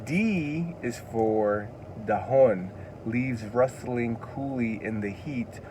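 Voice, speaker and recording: A man's voice: medium pitch, darkish tone, a little hiss or hum. A man with a Californian accent giving a casual language lesson, earnest and a little preachy, repeating words for emphasis as he reads a children's alphabet book aloud. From United States. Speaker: language teacher.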